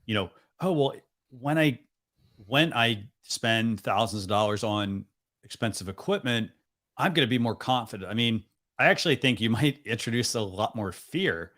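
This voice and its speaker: A man's voice: mid-range voice, lively intonation, normal speed, a bit bright. A young adult man hosting a live stream over a video call, chatting loosely with lots of "like" and "you know". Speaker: host. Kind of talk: casual live stream chat.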